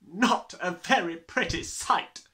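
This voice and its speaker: A huge, hateful storybook headmistress, barks at children with open disgust. The voice leaps high and loud, hard and piercing, leaning slowly on each contemptuous word. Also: male voice, sing-song, exaggerated voice. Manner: barking, slow emphatic contempt. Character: gigantic, tyrannical, disgusted middle-aged headmistress, barking and contemptuous.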